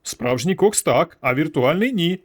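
Man doing a teasing alien seductress, pitched well up, playful and coy. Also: expressive, a little slow, slightly rough. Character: flirty alien woman intruder in a mind.

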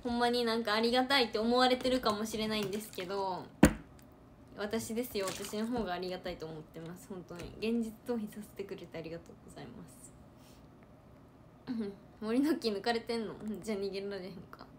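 A young woman from Hyogo with a Kansai accent, chatting casually on a livestream into a phone, animated and repeating words for emphasis. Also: medium pitch, a little fast, slight background noise. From Hyogo, Japan. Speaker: idol trainee livestreamer. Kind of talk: casual livestream chat reading comments.

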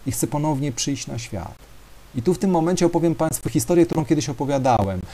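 A man's voice: fairly high pitch, expressive, quick pace, warm tone. A man telling a story to an audience, talking hesitantly with fillers and speaking directly to his listeners.

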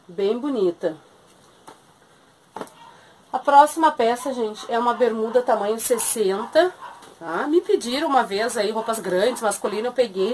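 A woman's voice: fairly high pitch, darkish tone, a little hiss or hum. Chatty Brazilian woman selling clothes. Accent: southern Brazilian Portuguese. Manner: chatty, keeps calling viewers "gente". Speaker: thrift shop seller. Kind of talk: casual sales video. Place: small clothing shop indoors.

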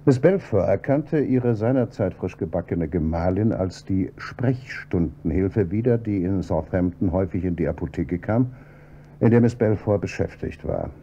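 A calm, probing male police inspector in a radio drama, dry and measured. His voice is low and gravelly with a very dark tone. The recording is dull, with a faint hum. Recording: dull, slightly noisy audio with hum.

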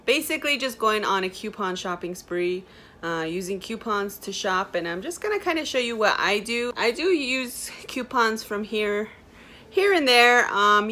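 A woman's voice: mid-range voice, pushed and bright, a little hiss or hum. Chatty young Native American woman vlogging. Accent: Native American reservation accent. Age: young adult. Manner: chatty, informal, rambling. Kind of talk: casual vlog chat. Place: small room indoors.

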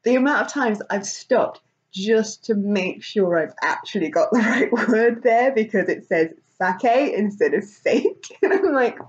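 A woman's voice: on the high side, lo-fi sound. A woman vlogging casually, rambling with many fillers and restarts and laughing often. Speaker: vlogger and author. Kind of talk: casual chat.

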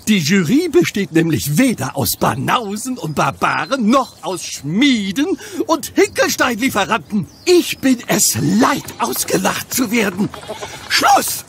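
An actor playing a vain, touchy village bard in a comic audio play, declaiming pompously and theatrically. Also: male voice, sits high, sing-song, a little slow, vocal fry, fairly bright tone, a little hiss or hum, heavily acted. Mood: indignant.

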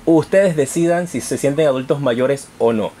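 A man's voice: mid-range voice, moderate pace, warm tone, a little hiss or hum. A man hosting an informal tarot horoscope, addressing viewers directly in an affectionate, encouraging manner. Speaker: tarot reader and channel host.

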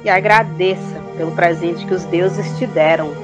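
A woman's voice: on the low side, steady tone, normal speed, over music, close to an everyday voice. A Brazilian woman playing a practical, scolding queen mother in an audio drama, with a chiding manner.

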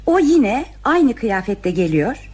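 Old radio play: teasing, motherly nurse, high voice with a lively melody. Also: slow pace, slightly rough, full character voice. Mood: explaining. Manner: firm and affectionate, fond of teasing. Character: teasing, motherly hospital nurse, adult woman. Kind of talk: old radio drama acting.

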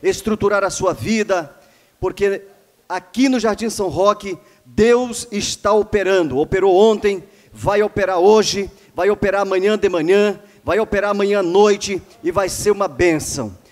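Brazilian church presenter guy, fairly high voice, fervent, echo from a long reverb hall. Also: moderate pace. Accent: Brazilian Portuguese. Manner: fervent, repeated praise calls. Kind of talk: preaching welcome at a service.

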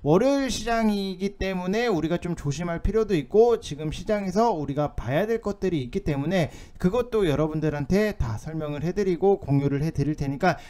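A man's voice: high-pitched, brisk, hardly any pauses, warm tone. A man hosting an informal stock market commentary, explaining things in an insistent, somewhat urgent way. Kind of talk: informal market commentary over on-screen notes.

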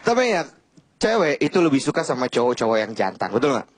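A man's voice: medium pitch, sing-song, fast talker, crowd noise, background noise. A man doing a stand-up comedy set, teasing the audience in slangy talk. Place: stage before a live studio audience.

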